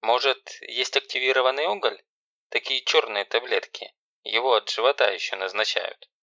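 A man's voice: mid-range voice, moderate pace, sharp tone, no echo, close to an everyday voice. Man doing a harsh, commanding bossy sister. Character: stern, sarcastic young woman, the bossy older sister. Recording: dull lo-fi recording.

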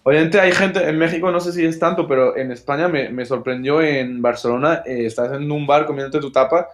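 A man's voice: on the high side, a little fast. A young adult man with a Mexican accent, co-hosting a casual podcast chat, slangy and dropping English phrases. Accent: Mexican Spanish. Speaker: podcast co-host.

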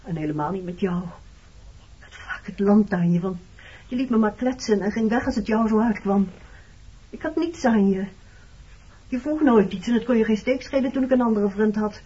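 An actress plays a married woman in a Dutch radio drama, wounded and reproachful. Her voice is husky and mellow, confiding and pointed in its questions. The recording is dull, like an old broadcast. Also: mid-range voice, moderate pace, close to an everyday voice. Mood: bitter, subdued. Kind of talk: Dutch radio play acting.

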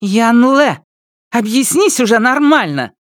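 A man voicing a spoiled, furious rich teenage girl in an audiobook, shrill, mocking and scornful. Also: big pitch swings, slow, no room sound, clean studio sound, full character voice. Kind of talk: audiobook character voice.

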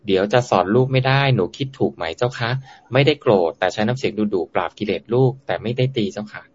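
A man's voice: fairly low pitch, fast talker, breathy edge, lo-fi sound. A man moderator who names each sender and plainly reads out listener questions to the monk. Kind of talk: reading questions aloud.

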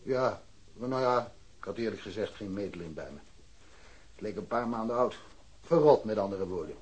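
An actor playing a blunt, dismissive police detective in a radio drama, offhand and colloquial. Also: male voice, fairly low pitch, animated, moderate pace, darkish tone, slightly rough. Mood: slightly defensive. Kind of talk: Dutch radio drama acting.

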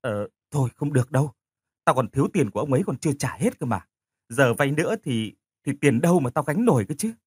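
A man's voice: mid-range voice, lively intonation, quick pace, slightly rough, dry recording, studio quality. A man voicing a distressed young woman who stammers and hesitates, in an audio story.

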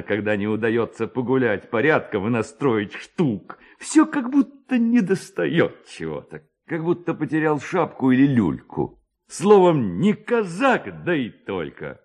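A man's voice: fairly high pitch, pitched above the performer's own voice. A man voicing a burly, carefree young village rake who exclaims with swagger in a dramatised story reading. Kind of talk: dramatised reading of a classic tale.

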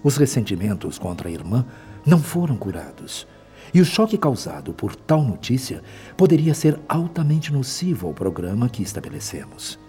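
An actor with a Brazilian accent playing a wise, gentle male spirit mentor in a radio drama, speaking in a measured, solemn, didactic way. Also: mid-range voice, very animated, natural voice. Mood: solemn, caring. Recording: long reverb, music behind.

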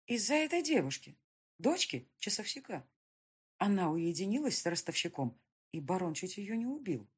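A woman voicing a gossiping onlooker in a crowd in an audiobook, speaking in a hush. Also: medium pitch, big pitch swings, moderate pace, slightly rough. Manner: hushed, gossiping.

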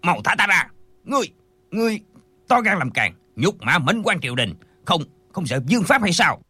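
A woman's voice: on the low side, big pitch swings, moderate pace, bright, forceful tone, breathy edge, dry recording, pitched below the performer's own voice, exaggerated voice. A woman voicing an arrogant, bullying male military officer who barks orders. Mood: blustering. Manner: barking, blustering orders.

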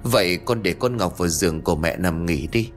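A man's voice: sits low, animated, a little fast, faint music behind. Man voicing an anxious old grandmother. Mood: worried. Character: worried old village grandmother, head of the family.

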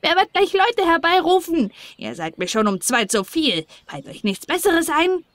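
A woman's voice: very high-pitched, sing-song, normal speed, a bit bright, no echo, voice pushed up, exaggerated voice. Woman putting on a screeching old dwarf. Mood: scolding. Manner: scolding, snarling. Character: shrill, quarrelsome, ungrateful old male dwarf.

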